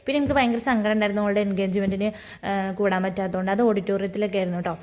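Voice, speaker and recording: A woman's voice: medium pitch, steady tone, racing, a little mellow. A woman, chatting casually in a vlog, with many fillers and friendly tags. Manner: chatty, frequent fillers and tag "ട്ടോ". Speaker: vlogger.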